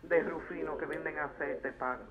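A woman with a Dominican accent phoning in to a show and recounting things in a casual, halting way. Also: deep voice, steady tone, crowd noise. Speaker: phone-in caller. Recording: muffled call into studio.

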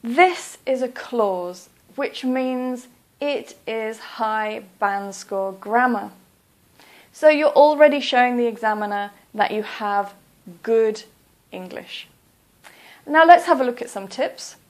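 A woman gives a spoken English lesson for exam learners, with a slightly high voice. She talks slowly and carefully, spacing out each point for the listener. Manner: careful, deliberate, instructive. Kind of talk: slow, clear lesson narration.

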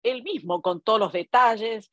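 A woman in her fifties, Italian by birth and raised in Argentina, speaking Spanish with an Argentine accent as a guest in a video-call interview, thoughtful and full of "eh" pauses. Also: on the high side, fairly bright tone, dry recording, highs cut off. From born in Italy, raised in Argentina. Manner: thoughtful, many hesitations and "eh" fillers. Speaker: foreign correspondent guest. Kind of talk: relaxed conversational interview. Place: home study with bookshelves, indoors. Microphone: laptop webcam on a video call.

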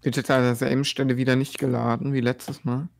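Laid back guy gaming w his buddy, calm and practical, mid voice. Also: mid-range voice, a little fast, vocal fry. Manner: calm, practical, asks where the other player is. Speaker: teammate in a Minecraft series. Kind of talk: casual gaming chat.

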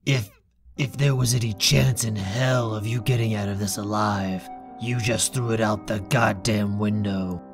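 A proud man played by an actor speaks in a low voice with slow, bitter, clipped delivery. He is cold and desperate with hatred, in audio drama style. Faint music sits behind him. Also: fairly even intonation, vocal fry. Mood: furious, desperate.

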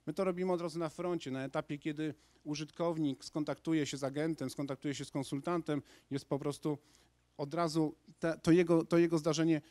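A man in his thirties giving an energetic conference talk in a large lecture hall, speaking into a handheld microphone with frequent restarts. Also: fairly high pitch, a little fast. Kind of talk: lecture presentation to an audience.

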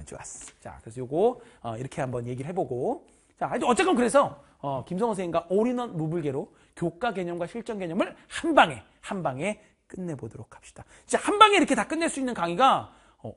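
A male math teacher talks straight to his students in an online course orientation, teasing them and breaking into loud bursts of emphasis. His voice is husky and swings widely in pitch. He speaks casually and informally to them throughout. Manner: animated, teasing, bursts of shouting; informal, addresses students directly.

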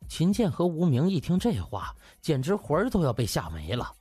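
A man's voice: fairly high pitch, wildly swooping pitch, moderate pace, mellow, breathy edge, dry recording. A man narrating an audiobook in a dramatic, scripted storytelling style. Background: faint music.

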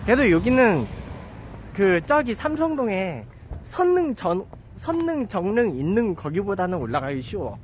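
A man's voice: high voice, very animated, normal speed, slight background noise. A man in his thirties chatting casually to a phone held at arm's length as he walks outdoors on a residential street, rambling with self-mocking asides. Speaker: live streamer. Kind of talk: casual walking livestream chat. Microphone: handheld phone at arm's length.

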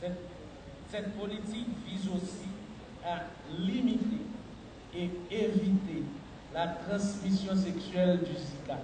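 A middle-aged man gives a formal, measured speech as a health official at a podium mic in a large hall. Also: sits high. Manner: measured, deliberate official delivery. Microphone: podium mic on a stand. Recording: echoey hall, far from the mic, noisy.

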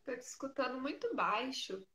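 A woman with a Brazilian Portuguese accent speaking gently and encouragingly to a prayer group over a phone call. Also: high-pitched, lively intonation, normal speed, soft background music. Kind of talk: prayer meeting talk. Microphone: phone on an online call.

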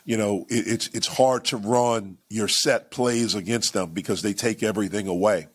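Low-pitched guy coaching hoops, talking to reporters at a table mic after the game, kinda measured, lots of "you know". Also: steady tone, slightly rough. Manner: measured, repeats phrases, many fillers like "you know" and "man". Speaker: head basketball coach. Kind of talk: postgame press conference answers. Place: press conference room with sponsor backdrop. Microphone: table microphones.

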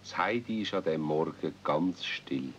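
A man's voice: lively intonation, measured pace. A man with a Swiss German accent narrating a children's radio play as a storyteller. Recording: dull 1970s recording with rumble.

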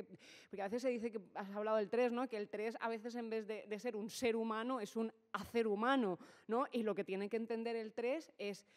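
A woman in her thirties with a Spanish accent from Spain explains the enneagram in a lively interview, checking in with "¿no?" as she goes. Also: mid-range voice. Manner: animated, gestures while explaining, many fillers like "¿no?". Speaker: enneagram teacher, guest. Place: event stage with hall. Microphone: studio mic on stand. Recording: reverberant hall.

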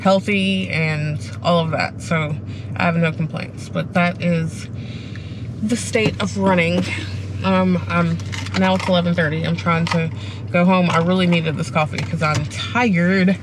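A woman's voice: lowish voice, fairly even intonation, measured pace. A middle-aged woman vlogging casually to a dashboard camera in a car, talking in a candid, rambling, self-reflective way. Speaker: running vlogger. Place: sitting inside a parked car. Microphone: camera mounted on the dashboard. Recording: clear car and background noise.

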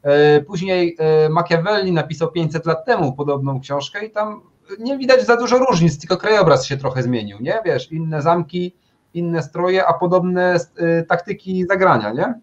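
A man hosts a casual conversation over a video call and keeps chiming in with short agreements. His voice is a little high. The audio sounds slightly dull and lo-fi. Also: moderate pace. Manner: chatty, short agreeing interjections. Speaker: host.

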